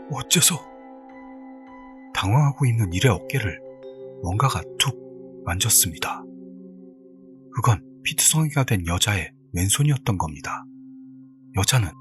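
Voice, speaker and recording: A man narrating a scripted horror story in a dramatic, suspenseful way. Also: medium pitch. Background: background music.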